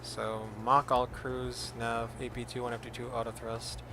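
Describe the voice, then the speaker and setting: Streaming a flight simulator, this man from the Philippines reads radio calls and talks casually, moving back and forth between English and Filipino. His mid-range voice is unhurried, and there's background noise.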